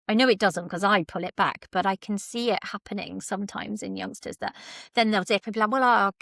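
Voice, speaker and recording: A woman's voice: medium pitch, fairly bright tone, no room sound, studio quality. A woman hosting a conversational interview, speaking in an affirming, reflective way. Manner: affirming, reflective, relates advice to herself. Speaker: podcast host, drama coach.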